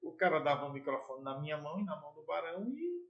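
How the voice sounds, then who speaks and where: A middle-aged man with a playful, animated way of telling stories about his years in radio and TV. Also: on the high side, fast, lo-fi sound, a loud crowd. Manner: playful, animated storyteller with jumps in loudness. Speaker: former sports broadcaster and TV presenter. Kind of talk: casual storytelling interview.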